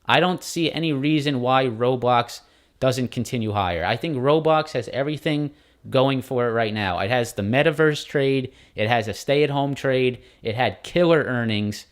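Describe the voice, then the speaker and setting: Male streamer, mid-pitch, loose and quick chart talk to viewers. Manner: quick, informal, addresses viewers as guys. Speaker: stock market live stream host. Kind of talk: casual chart walkthrough.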